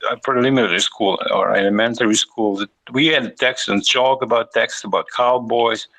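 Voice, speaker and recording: A man from Russia with a Russian accent, speaking English haltingly and searching for words. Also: mid-range voice, steady tone, sharp tone, no echo, rough recording. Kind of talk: casual chat.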